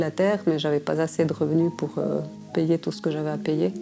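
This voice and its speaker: A woman's very deep, low voice over background music. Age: 60s. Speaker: interviewee, retiree. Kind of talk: personal testimony. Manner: hesitant, many fillers.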